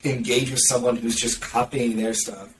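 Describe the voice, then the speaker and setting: A man's voice: mid-range voice, flat delivery, normal speed. A man talking as a podcast guest in casual conversation, sarcastic and snarky, acting out other people's reactions as he talks. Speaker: podcast guest, marketing consultant. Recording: roomy, distant mic with faint background noise.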